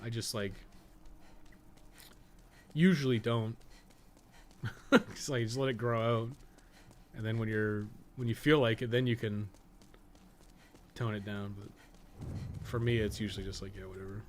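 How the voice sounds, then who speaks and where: A man's voice: lowish voice, fairly even intonation, a little slow, pauses often. A man in his thirties with a Canadian accent, chatting in a casual, rambling, profane way while playing a game on a livestream. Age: 30s. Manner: profane, colloquial. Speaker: gaming livestream host. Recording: noticeable background noise.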